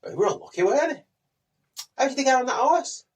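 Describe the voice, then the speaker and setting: Man, podcast co-host, husky voice, bouncy pitch, playful mock outrage. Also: expressive, quick pace. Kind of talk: casual chat.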